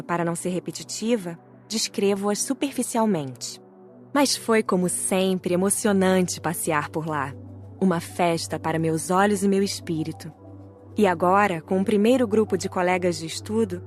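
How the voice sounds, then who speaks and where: A woman calmly narrating an audiobook in the first person. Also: lowish voice, moderate pace, soft background music. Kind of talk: scripted audiobook reading.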